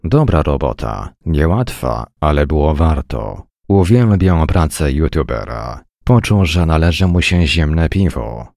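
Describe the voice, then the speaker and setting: A man reading a short story aloud as narrator, in a measured, wry storytelling manner. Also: rumbling low, sing-song, creaky, a little mellow, no room sound, studio quality.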